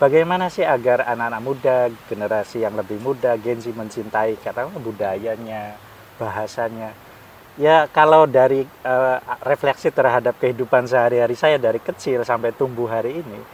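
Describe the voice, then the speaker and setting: A man with a West Javanese accent at a fairly quick pace. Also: medium pitch for a man, ordinary pitch variation. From Cirebon, West Java, Indonesia. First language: Cirebon Javanese (speaking Indonesian). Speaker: cultural scholar. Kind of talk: radio podcast interview.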